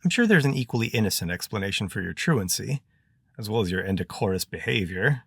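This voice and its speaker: A man playing a verbose, theatrical gentleman adventurer with a florid, pompous and grandly polite way of talking. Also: fairly low pitch, lively intonation, fast talker, vocal fry, slightly rough, no room sound, heavily acted. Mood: indignant, explanatory.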